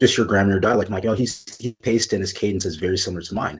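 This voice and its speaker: Somewhat breathy, a man with a General American accent talks at a fairly low pitch with fairly even intonation. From US Pacific Northwest (Kirkland, Washington), earlier Orange County, California. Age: 40s. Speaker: personal trainer. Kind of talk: podcast interview.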